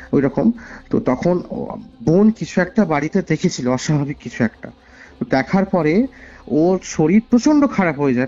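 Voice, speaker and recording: In a fairly high, warm voice, a West Bengal man with a Bengali accent phones in to recount a personal story conversationally. He earnestly repeats phrases for emphasis. Music plays in the background of the dull, lo-fi call recording.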